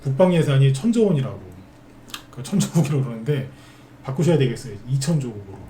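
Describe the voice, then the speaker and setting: A man runs through the day's market movers in a live stock broadcast. His voice is mellow and dark, chatty, peppered with quick tag questions he answers himself. It sounds like an echoey room with a little background noise. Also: mid-range voice, very animated.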